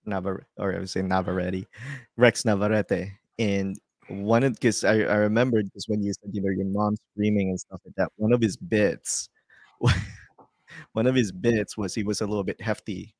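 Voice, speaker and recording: A man with a low, steady voice chats on a casual podcast. He tells stories and often breaks into laughter, in a dry, close sound. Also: normal speed, no echo. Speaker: podcast co-host. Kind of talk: casual chat.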